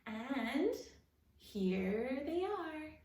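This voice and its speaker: A woman's voice: high-pitched, sing-song, drawn-out words, a little mellow. A woman narrating a children's picture book expressively as a storytime reader. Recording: roomy echo, distant mic, faint noise.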